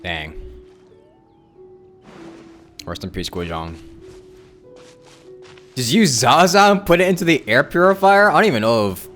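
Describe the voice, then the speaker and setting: A streamer chats casually while reacting to a game, with a joking, informal manner. The pitch moves around expressively, and soft game music plays behind. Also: very animated, a little slow, pauses often. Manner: informal, jokey. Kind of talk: casual live reaction commentary.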